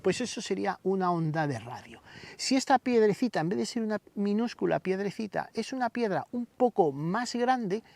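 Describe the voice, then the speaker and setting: A man's voice: sits high, animated, normal speed, gravelly, a little mellow, no room sound. A man giving a didactic explainer as a channel host, stressing the openings of his phrases. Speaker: radio hobby channel host. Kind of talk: explainer to camera, semi-scripted tutorial.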